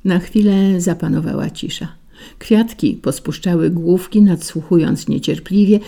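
A woman narrates a storybook tale with measured, expressive pacing. Her voice is dark and mellow, with a gravelly, husky texture. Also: low voice. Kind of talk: storybook reading.

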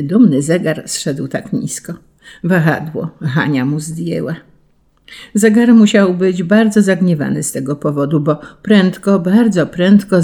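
A narrator reading an old children's story aloud in a gentle, expressive way. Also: medium pitch, gravelly, slightly rough.

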